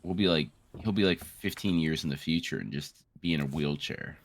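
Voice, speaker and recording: A man in his late twenties giving casual, joking game commentary in a crude, rambling, animated way. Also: a bass voice, fairly quick. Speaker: co-host of a gaming series.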